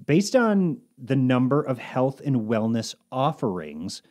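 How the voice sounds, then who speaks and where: A man co-hosting a casual talk show, chatting in a lively way with a medium-pitched voice. He keeps the talk moving with animated asides. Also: measured pace. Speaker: podcast co-host. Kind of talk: casual chat.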